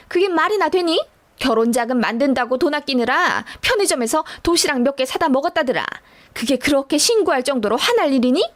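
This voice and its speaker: A woman voicing a domineering middle-aged mother-in-law who scolds and accuses. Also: high-pitched.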